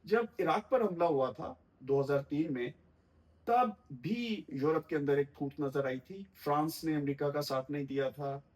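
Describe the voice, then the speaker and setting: A middle-aged man, a guest commentator giving measured political analysis in formal language with frequent thoughtful pauses. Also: on the high side, darkish tone, low-quality recording.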